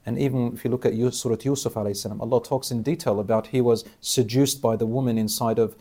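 A man's voice: medium pitch, fairly even intonation, fast talker, warm tone. Man preaching earnestly in an interview. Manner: earnest, teaching tone. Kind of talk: religious interview and advice.

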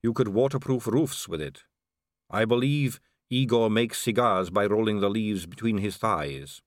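A man voicing a calm, elegant, sly female vampire noblewoman in an audiobook, cool and drawling. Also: lowish voice, a little slow, dry recording, studio quality, natural voice. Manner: cool, drawling, amused and poised. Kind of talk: audiobook character reading.

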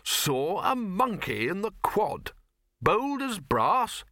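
A man plays a gruff old wizard in charge in a comic fantasy storybook. He is bossy and brusque, barking in clipped phrases. The voice rides high and forceful, with big swings in pitch. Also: big pitch swings, slow pace, no room sound, studio quality, exaggerated voice. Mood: blunt, brisk. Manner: blunt, clipped, brusque, hectoring. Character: gruff, blustering, bossy old male wizard Arch-Chancellor.

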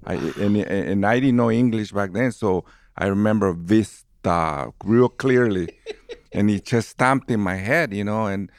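A man's voice: on the low side, a little slow, no room sound, clean studio sound. A man in his fifties from Guatemala with a Guatemalan Spanish accent, animatedly telling his life story in an interview. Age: 50s. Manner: warm, animated storyteller who laughs easily. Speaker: movie theater manager.

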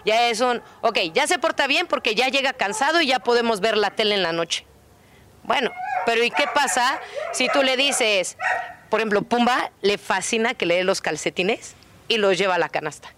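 Animated Mexican woman with lively pitch. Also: normal speed, a little hiss or hum. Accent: Mexican Spanish. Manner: animated, acts out dialogues with dogs and owners. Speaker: dog daycare co-founder, guest. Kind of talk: casual radio interview.

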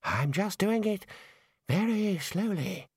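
A man voicing a frail, muddled old wizard with a wheezy, halting, quavering delivery in a fantasy storybook reading. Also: high voice, animated, breathy edge, no room sound, clean studio sound, pitched above the performer's own voice, exaggerated voice. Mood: muddled, panicky.

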